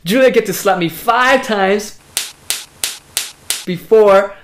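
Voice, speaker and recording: A man's voice: high voice, takes it slowly, slight background noise. A man in his thirties, born in Hong Kong and raised in California, giving an upbeat, casual video update to camera. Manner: upbeat and energetic, punchy emphasis on key words. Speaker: vlogger on a language challenge.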